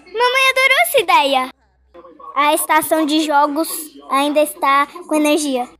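Huge evil toy mommy for horror game dub, brazilian, super high n sharp, playful but threatening. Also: female voice, expressive, full character voice. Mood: playful menace. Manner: drawn-out, theatrical, exclaiming. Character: menacing, playful, theatrical giant female toy monster.

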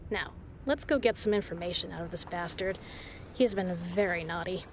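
A woman's voice: lowish voice, normal speed, lightly acted. Woman acting a tough, caring female spy, noisy recording. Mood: flirty, confident. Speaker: voice actor in a fan audio drama. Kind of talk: audio drama acting, intimate.

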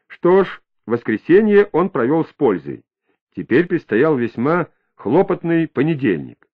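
Guy narrating an audiobook, lively ups and downs, tinny phone-like audio. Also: on the high side. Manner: expressive, varied storytelling intonation. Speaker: audiobook reader.

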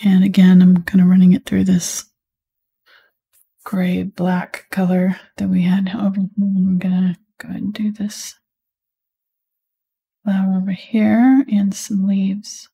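A woman teaching a live painting tutorial, talking mostly in a soft whisper as she paints. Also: mid-range voice, little pitch movement, a little slow, vocal fry, long pauses, husky. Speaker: painting instructor.

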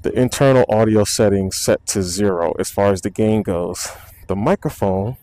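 A young man vlogging casually about his gear while riding a motorcycle, speaking low and easygoing into a wireless mic clipped inside his helmet. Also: normal speed. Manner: relaxed, rambling, talks low near the mic. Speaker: motovlogger. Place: indoors at home, then riding a motorcycle on city streets. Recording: faint road and wind noise.

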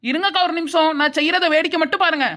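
A woman voicing a bold, scheming village girl in a cartoon dub, loud and bossy. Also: very high-pitched, steady tone, rapid-fire, heavy background noise. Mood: bossy, cheerful.

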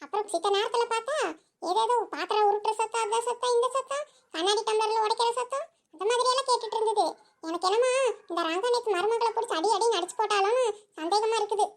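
A woman plays a nosy village neighbor in a cartoon who rattles off gossip in a very high, squeaky voice. She talks at a quick clip, pushing her story with little chuckling asides. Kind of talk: cartoon voice acting.

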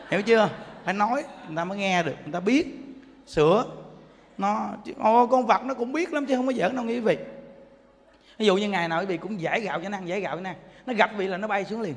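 A man's voice: high voice, fairly bright tone. A man giving a humorous Buddhist sermon, telling stories and imitating animal sounds. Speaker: Buddhist monk teacher. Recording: long hall reverb.

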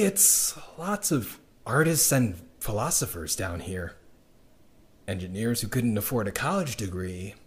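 A man playing a weary, wry young underground dweller in an audio drama, speaking in an intimate, reflective and halting conversational monologue. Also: lowish voice, exaggerated voice. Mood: wry, subdued. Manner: reflective, halting, with sardonic little laughs and sighs.

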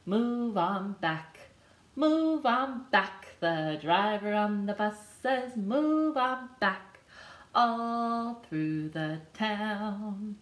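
Woman librarian, very slow sing-song, bouncy sound effects, echoey living room. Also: mid-range voice, animated. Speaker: children's librarian. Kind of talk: singing a picture book for babies. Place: living room with a couch and a decorated wall.

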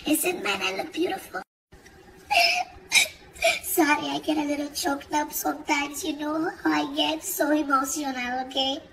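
Against a noisy background, a performer with a high-pitched, level, creaky voice speaks at a moderate pace. She voices a boastful, dramatic Latina woman in a comic character monologue, mixing Spanish words into English, dishing dramatic gossip, and laughing constantly.

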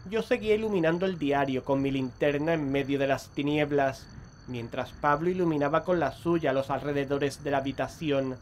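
An actor playing an uneasy investigator who tells a horror tale in a measured, literary, dramatic way. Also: male voice, a little high, a little hiss or hum, close to an everyday voice. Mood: ominous. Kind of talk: scripted first-person horror narration.

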